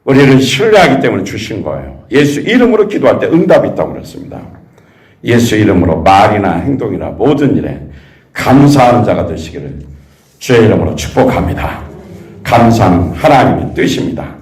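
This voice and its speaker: A male pastor from South Korea delivers a sermon with a lively, swooping pitch. He asks the congregation rhetorical questions as he goes. His voice rings through a roomy church sanctuary. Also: a little fast.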